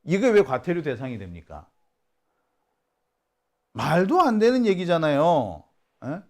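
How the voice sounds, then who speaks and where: A man's voice: a little high, very animated, measured pace, a little mellow. A middle-aged man giving casual, indignant political commentary. He acts out the people he quotes and fires off rhetorical questions. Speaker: journalist host of a political channel.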